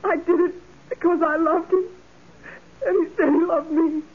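A woman's voice: very high voice, fairly even intonation, moderate pace. An actress playing a desperate, jilted young woman who has killed, melodramatic and defiant with sobs close by, in 1940s radio crime drama style. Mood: tearful confession. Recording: muffled, phone-like 1940s radio recording.

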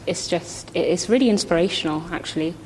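A woman's voice: fairly low pitch, brisk, a little mellow. A young Welsh woman, a musician, chatting casually as she describes an exhibition while walking through it. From Wales. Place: exhibition room. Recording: echoey hall with faint background noise.

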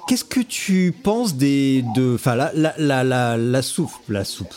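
A French man hosting a relaxed, familiar conversation and swearing now and then. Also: mid-range voice, slow. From France. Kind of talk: casual conversation.

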